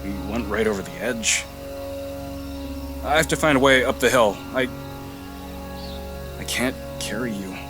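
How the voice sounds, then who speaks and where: A man playing a shaken, injured crash survivor trying to rescue a friend in an audio drama, halting and strained. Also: mid-range voice, music in the background, close to an everyday voice. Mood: dazed, strained. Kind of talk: naturalistic audio drama acting.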